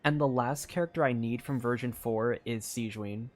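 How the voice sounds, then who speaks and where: A game streamer speaks at a moderate pace in a medium-pitched voice, chatting casually and rambling as he thinks aloud. He sounds distracted, and game music runs behind him.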